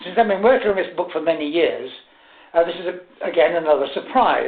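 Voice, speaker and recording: A man with an English accent and ordinary pitch variation, in audible room echo. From England. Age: 70s. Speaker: lecturer. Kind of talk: lecture. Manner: halting.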